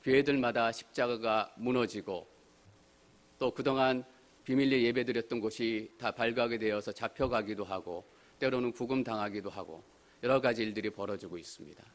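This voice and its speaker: A man's voice: medium pitch, normal speed. Earnest male pastor preaching. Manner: earnest preaching, rising to emphatic appeals. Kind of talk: sermon. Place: church sanctuary.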